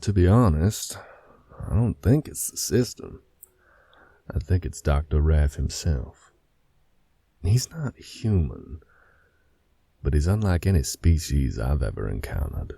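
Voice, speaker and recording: Brief: male actor as a gravelly, dark-voiced werewolf alpha, slow and commanding. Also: rumbling low, very animated, no room sound, exaggerated voice. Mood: stern. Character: male werewolf pack leader, protective and stern. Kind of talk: fan audio drama acting.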